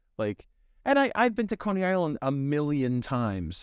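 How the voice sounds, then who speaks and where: A man with a Brooklyn accent. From New York City, Brooklyn. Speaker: actor and film festival director. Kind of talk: interview, casual chat. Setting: video call. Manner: animated, halting with many restarts.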